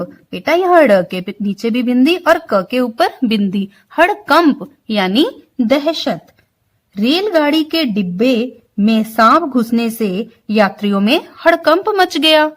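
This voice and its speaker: A woman teacher giving a slow online vocabulary lesson to children, explaining words one by one and often checking that they understand. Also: fairly high pitch. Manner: slow, explains word by word, keeps asking if clear. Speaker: school Hindi teacher.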